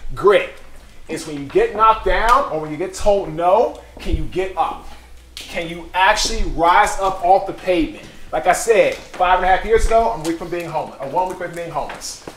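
The speaker's loudness swings widely at a moderate pace. There is audible room echo and light background noise. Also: man, high pitch for a man, ordinary pitch variation. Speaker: keynote speaker. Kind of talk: motivational sales talk. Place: home room.

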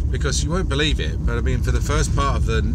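Loud background noise surrounds a man's voice, which is dry with no echo. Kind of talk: casual vlog chat. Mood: critical, reflective. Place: car. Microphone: phone near.

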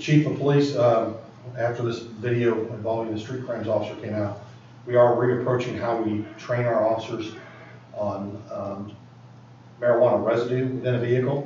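Speaking with monotone, flat intonation, a man keeps a moderate pace. There is audible room echo and light background noise. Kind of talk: committee presentation. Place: meeting room. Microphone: camera far.

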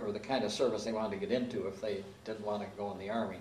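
A man speaks in a fairly low, monotone, flat voice. Audible room echo and light background noise accompany him. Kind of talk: interview answer. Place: office.

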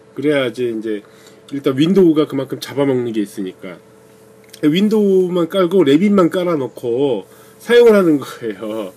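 A man at a fairly high pitch and moderate pace, his pitch swinging very widely over noticeable background noise. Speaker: software tutorial instructor. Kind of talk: tutorial. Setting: screen recording at computer. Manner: halting, many filler words.

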